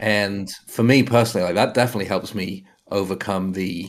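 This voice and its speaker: A man with a normal speaking voice talks at a fairly quick pace with fairly even intonation. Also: very clean recording, silent background. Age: 40s. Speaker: podcast co-host, amateur runner. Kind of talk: casual chat.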